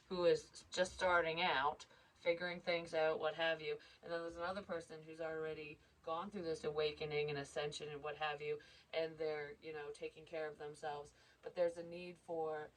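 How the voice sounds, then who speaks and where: A woman's voice: deep voice, rough recording. A woman giving a casual psychic reading, stuffed up and congested, rambling and interrupting herself. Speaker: psychic tarot reader.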